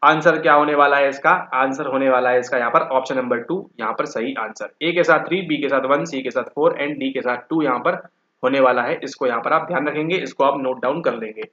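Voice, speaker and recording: A man's voice: medium pitch, a little fast, bright, forceful tone. A man teaching as he walks students through exam questions, speaking to them directly and repeating words for emphasis. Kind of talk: exam question walkthrough lecture. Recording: echoey room, dull lo-fi sound.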